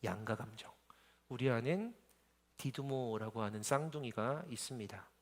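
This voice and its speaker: Man in his thirties, pastor, sermon, church hall, quiet storytelling rising into pleading cries. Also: mid-range voice, expressive, moderate pace.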